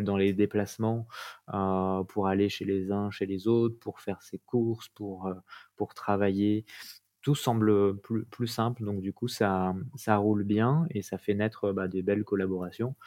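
A man speaks with a fairly low pitch. His pace is fairly slow and his intonation fairly even. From Paris region, France. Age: 30s. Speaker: entrepreneur. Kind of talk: interview conversation. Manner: halting, many repetitions and fillers.

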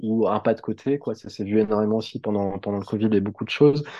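The speaker is a man with a medium pitch. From France, Savoie. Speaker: popular education trainer. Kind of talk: interview conversation. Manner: hesitant with repetitions.

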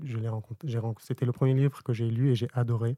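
A dark, mellow tone holds a flat monotone at a moderate pace. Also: man, dry, close sound with no echo. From Burkina Faso. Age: 30s. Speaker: dermatologist and immunology PhD student. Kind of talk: casual interview.

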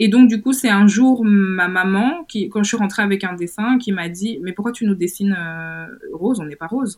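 A woman at medium pitch and a moderate pace, with ordinary pitch variation. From Belgium, Brussels. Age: 30s. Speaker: event organizer. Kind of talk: casual chat. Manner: halting.

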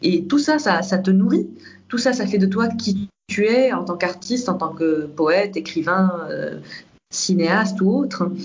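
A woman's somewhat breathy voice is heard with audible room echo. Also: medium pitch for a woman, fairly slow pace. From Lebanon, Beirut. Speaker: visual artist. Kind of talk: interview. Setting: video call. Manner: halting, frequent fillers and repetitions. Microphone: remote call audio quality.

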